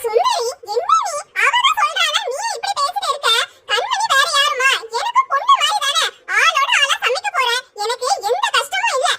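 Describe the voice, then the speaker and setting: A woman's voice: extremely high pitch, very animated, normal speed, hardly any pauses. A woman voicing a kind, patient older sister who soothes her family. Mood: soothing. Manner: soothing, gentle. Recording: loud background noise.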